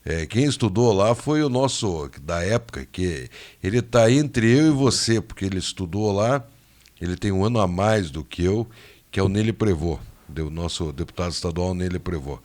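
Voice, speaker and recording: A man hosting a radio interview in a studio, chatty and quick to jump in with questions. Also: deep voice, lively intonation, darkish tone. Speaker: radio host.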